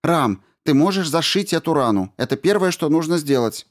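A man voicing a brisk female mission doctor who gives urgent orders. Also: fairly high pitch, lively intonation, pitched above the performer's own voice, natural voice.

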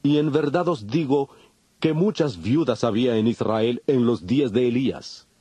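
An actor playing a solemn, authoritative preacher and prophet in a dramatized audio Bible, declaiming with emphasis. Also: male voice, medium pitch, mellow, breathy edge, dry recording, natural voice.

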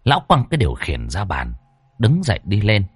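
Lively low-voiced male storyteller. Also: brisk, breathy edge, no echo. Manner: expressive storytelling. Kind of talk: narrated ghost story.

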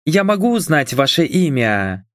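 A man's voice: on the high side, very animated, a little slow, fairly bright tone, no room sound, clean studio sound, pitched above the performer's own voice. A man voicing a polite young receptionist woman. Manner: courteous, apologetic.

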